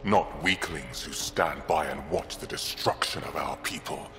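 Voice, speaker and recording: An actor playing a fanatical, contemptuous alien rebel leader in a video game, speaking with slow, scornful oratory. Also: male voice, extremely low pitch. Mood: cold contempt. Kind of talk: dramatic video game acting. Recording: long hall reverb under loud music.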